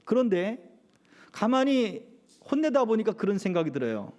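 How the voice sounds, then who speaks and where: A man's voice: high voice, big pitch swings, moderate pace, darkish tone. A middle-aged male pastor preaching a sermon at a church service, often asking the congregation rhetorical questions.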